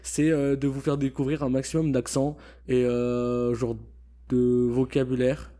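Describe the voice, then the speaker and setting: Young man, podcast host, mellow warm tone, relaxed chatty manner. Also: mid-range voice, a little slow. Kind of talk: casual chat.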